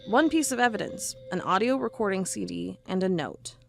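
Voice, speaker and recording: A woman's voice: medium pitch, animated, normal speed, vocal fry, faint music behind. A woman playing a stubborn, sarcastic investigator of cold cases in an audio drama, with a wry, defiant manner. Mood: focused. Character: stubborn, sarcastic female cold-case investigator hunting monsters.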